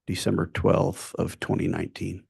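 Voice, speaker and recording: A man with a very low, creaky voice testifies as a police detective in court. His delivery is flat, formal and factual. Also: moderate pace. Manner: factual, matter-of-fact. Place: courtroom witness stand.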